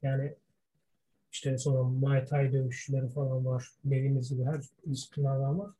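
Male co-host, very mellow and husky, chatting casually in imperfect Turkish, hunting for words, dropping in English. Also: medium pitch, flat delivery, a little fast. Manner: self-described poor Turkish, gropes for Turkish words, mixes in English terms. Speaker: podcast co-host. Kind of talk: casual wrestling history discussion.

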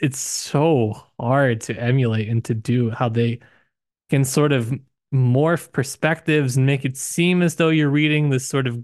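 A podcast co-host muses haltingly about a novel in a casual book discussion, recorded on a dry mic with no room sound. He's hesitant, full of restarts and hedges, with animated jumps in pitch.

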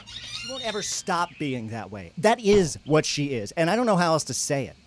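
An actor plays a brash young man at church camp in an audio drama. His lightly high male voice swings widely as he gripes in emphatic, resentful slang. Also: huge pitch swings, moderate pace, a little hiss or hum. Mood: bitter. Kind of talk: naturalistic audio drama dialogue.

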